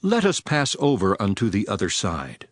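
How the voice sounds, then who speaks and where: A man playing a solemn, authoritative male teacher of parables, declaiming deliberately in a dramatized scripture reading. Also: fairly low pitch, wildly swooping pitch, no room sound, clean studio sound. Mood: earnest, authoritative. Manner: declamatory, deliberate preaching delivery. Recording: prominent music behind the voice. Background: music.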